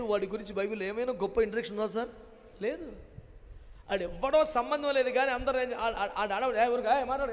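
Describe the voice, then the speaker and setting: A male pastor preaching a sermon, animated and dramatic, acting out quotes in his talk, with a Telugu accent. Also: very high-pitched, big-room sound.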